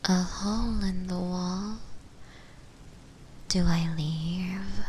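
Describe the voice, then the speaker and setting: A shadow demon acted out by a woman speaks in a breathy, unvoiced whisper. She is extremely slow and hesitant, musing with long pauses in an intimate, possessive ASMR roleplay style. A faint low rumble sits under her voice. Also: steady tone, darkish tone. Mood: anxious, questioning.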